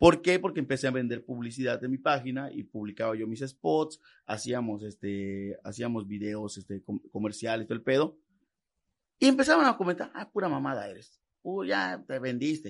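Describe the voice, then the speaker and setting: A man with an unremarkable speaking voice talks at a moderate pace, medium in pitch, with lively intonation. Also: big swings in loudness. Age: 30s. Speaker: crime reporter. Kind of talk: casual chat.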